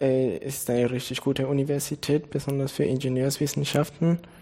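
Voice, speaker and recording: Fairly high male voice with a dark, mellow tone and monotone, flat intonation. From Mexico. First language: Spanish (speaking German). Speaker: university student. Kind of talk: casual interview.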